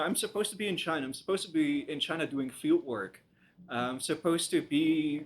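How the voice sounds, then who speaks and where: A young man giving a conversational guest lecture in a university room, wry and self-deprecating, pausing on frequent "um"s. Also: on the high side, fairly bright tone.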